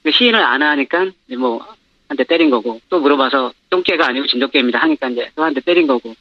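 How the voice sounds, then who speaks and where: A man with his voice disguised by a pitch-shifting modulator, calling in as an anonymous former store owner and talking hesitantly with many fillers. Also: fast. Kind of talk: phone-in news interview. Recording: dull phone line.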